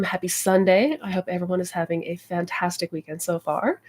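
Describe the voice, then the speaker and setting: A woman's voice: lowish voice, darkish tone. Stuffy, slightly nasal woman host. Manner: friendly, chatty, many fillers. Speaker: manifestation coach hosting a live Q&A. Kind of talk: casual livestream chat.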